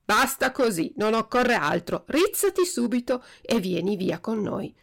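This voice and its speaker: A woman's voice: fairly high pitch, sing-song, a little slow, vocal fry, full character voice. A woman voicing a stern male policeman who gives curt commands in a storybook reading.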